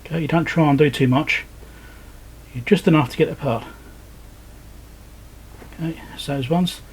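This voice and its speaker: Man narrating a repair, noisy background. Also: normal speed. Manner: low-key, thinking aloud step by step. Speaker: electronics repair video host. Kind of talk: casual hands-on commentary while working. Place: indoor repair workbench.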